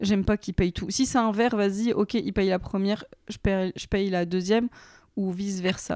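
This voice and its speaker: In a very clean recording with a silent background, the sound is dry and close with no echo. A woman speaks at a moderate pace in a dark, mellow tone, medium in pitch with ordinary variation. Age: 30s. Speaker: podcast guest, dating app user. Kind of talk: casual chat. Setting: recording while on a trip to Réunion.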